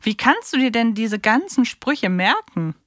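A woman's voice: on the high side, big pitch swings, a little slow, a bit bright, no room sound. Woman podcast host, close dry sound. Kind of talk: conversational fan podcast interviewing.

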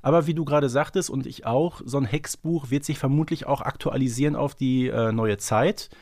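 A man's voice: mid-range voice, a little fast, a little mellow, no room sound, clean studio sound. A man co-hosting a podcast, explaining things casually and reflectively, with some hesitation. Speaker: podcast co-host. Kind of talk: casual, knowledgeable fan discussion.

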